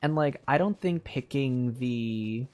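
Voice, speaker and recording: A young man streaming a story game, thinking out loud in a loose, rambling way with lots of filler words and restarts. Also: medium pitch, takes it slowly. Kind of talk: casual live-stream commentary.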